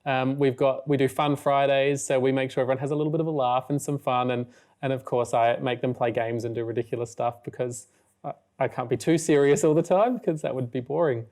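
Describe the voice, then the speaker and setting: A man chatting as an interview guest, upbeat and playful, speaking in quick run-on phrases. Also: mid-range voice, steady tone, a little mellow. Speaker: guest, regional manager and radio presenter. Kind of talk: casual interview chat.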